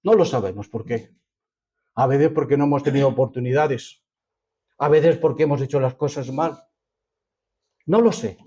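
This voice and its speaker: A man's voice: mid-range voice, normal speed, pauses often, warm tone, slightly rough, dull audio. A man with an accent from Spain preaching a sermon to a congregation, emphatic and fond of rhetorical questions and repetition. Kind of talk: sermon, reading and expounding scripture to a congregation.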